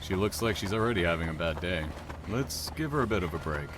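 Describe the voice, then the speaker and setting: A male train driver with a low voice. He is reserved and kind, speaking in a businesslike, natural way for an audio drama. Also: lively intonation, fast talker, noisy background. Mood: dry, kindly.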